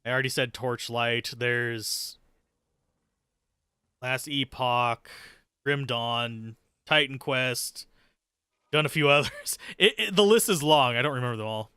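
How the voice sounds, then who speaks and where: A man's voice: medium pitch, takes it slowly, pauses often, sharp tone, clean tone, no room sound, clean studio sound. A man giving casual, sweary live gameplay commentary and chatting with viewers in a sardonic, self-deprecating way. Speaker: game streamer, host.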